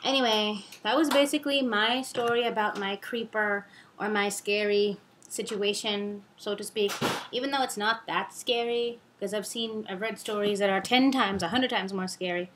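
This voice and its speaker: A young adult woman telling a personal story in a casual, animated, rambling way, acting out the dialogue as she goes. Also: mid-range voice, moderate pace, a little hiss or hum.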